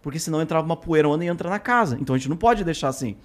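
Man, casual storyteller, talks at a racing pace, higher than most, theatrical quoted voices. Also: rapid-fire. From southern Brazil. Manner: animated, acts out quoted voices with big pitch jumps. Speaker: traveler telling road trip stories.

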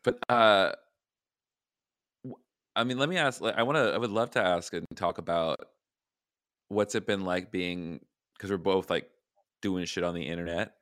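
Deep-voiced bright man chatting. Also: normal speed, long pauses. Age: 30s. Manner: animated, playful, lots of "like". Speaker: podcast host. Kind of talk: casual chat.

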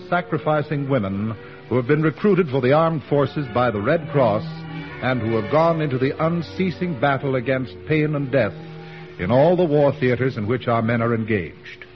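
A man announcing a 1940s radio drama in a stately, emphatic way, on a muffled old broadcast recording. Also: fairly high pitch.

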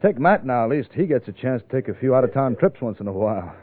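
A man's voice: medium pitch, lively intonation, fast talker, lightly acted. An actor playing an uneasy, scheming businessman in a 1940s radio drama, hesitant and evasive. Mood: casual, probing. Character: uneasy, scheming businessman feigning casual friendliness. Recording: tinny 1940s radio broadcast.

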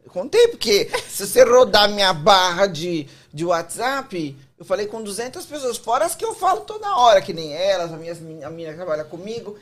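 A woman's voice: mid-range voice, lively intonation, brisk, hardly any pauses. An older Brazilian woman, the family matriarch, chatting emphatically as a podcast guest. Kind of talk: casual chat.

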